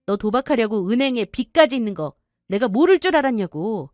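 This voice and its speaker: A woman's voice: a little high, big pitch swings, a little fast, no room sound, clean studio sound, soft background music. A woman voicing a wife who coldly and sharply confronts her husband in an audio story. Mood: accusing. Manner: sharp, accusing, cold.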